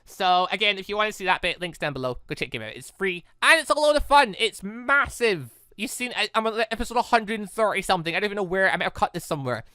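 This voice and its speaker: Animated male gamer with a bright voice. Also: sits high, fast, few pauses, smooth, dry recording, studio quality. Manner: rambling, excitable, animated. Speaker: gaming video host. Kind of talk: casual let's play commentary.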